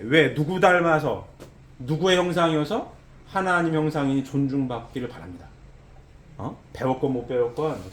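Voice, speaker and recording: A man preaching a sermon, asking rhetorical questions and adding quick "eh?" asides to check that listeners follow. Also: high voice, roomy sound.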